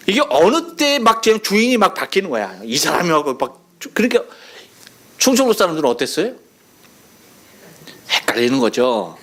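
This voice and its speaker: A male pastor with a Chungcheong accent delivers a Sunday sermon, slipping into playful imitations of dialect phrases. His voice sits a little high and swings widely in pitch as he tells his stories. He preaches in a church sanctuary. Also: a bit bright. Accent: Chungcheong Korean. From Chungcheong, South Korea. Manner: playful storytelling, mimicking dialect phrases with laughter.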